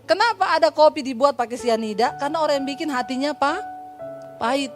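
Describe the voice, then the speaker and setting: A woman pastor with an Indonesian accent preaching a sermon, telling stories lively and acting out the voices of the people in them with humorous asides. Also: high-pitched, brisk, faint music behind. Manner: lively storytelling, acts out dialogue, humorous asides.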